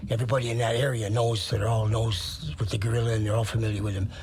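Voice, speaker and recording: This man talks at a very fast pace, his pitch medium. Room echo is audible. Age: 70s. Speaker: former pilot and convicted drug trafficker. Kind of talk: documentary interview testimony.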